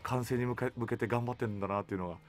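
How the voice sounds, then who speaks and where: A man's voice: mid-range voice, steady tone, racing. A man hosting a radio show, chatting and interviewing attentively at a studio microphone. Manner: attentive, frequent backchannel responses. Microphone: studio boom microphone. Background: soft background music.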